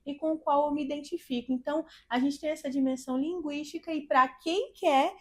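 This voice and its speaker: A woman's voice: high voice, brisk, darkish tone. A Brazilian woman, a host, chatting in a casual, engaged way. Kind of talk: casual chat.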